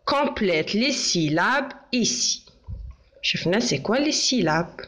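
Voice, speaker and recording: A woman's voice: mid-range voice, very animated, takes it slowly, fairly bright tone. A woman with an Algerian accent teaching French handwriting, dictating letters and syllables one by one and switching into Algerian Arabic for instructions. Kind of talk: slow, deliberate French handwriting lesson.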